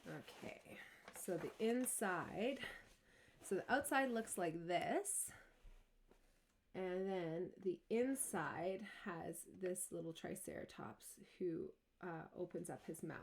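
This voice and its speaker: A woman's voice: fairly low pitch, a little hiss or hum. A woman in her thirties giving a casual, chatty craft demonstration as a stamping club host. She sounds enthusiastic and laughs easily.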